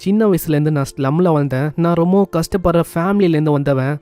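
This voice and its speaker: Man reading a humble young alchemist, earnest and emotional, smooth tone. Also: fairly high pitch, mellow, no room sound, close to an everyday voice. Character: poor young male alchemist, tearful and grateful.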